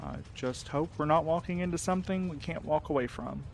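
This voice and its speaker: A man's voice: on the high side, fairly quick, creaky, slight background noise. A man playing a weary, protective and dryly sardonic character in a naturalistic audio drama. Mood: weary, worried.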